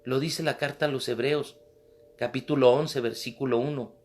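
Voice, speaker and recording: A man's voice: medium pitch, fairly even intonation, normal speed, a little mellow. A man teaching a Bible class as a Catholic preacher, emphatic and repeating phrases for stress.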